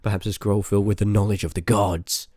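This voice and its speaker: A man's voice: on the low side, flat delivery, a little fast, mellow, no echo, natural voice. A man playing a rude, sardonic, curious sorcerer in a fantasy ASMR audio roleplay, with dry banter spoken straight to the listener. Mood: teasing, sardonic. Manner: sarcastic, dry banter with muttered asides.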